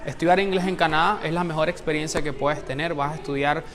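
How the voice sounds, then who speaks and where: Fast-talking enthusiastic man. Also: on the high side, fairly even intonation. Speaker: language school representative. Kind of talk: promotional talk.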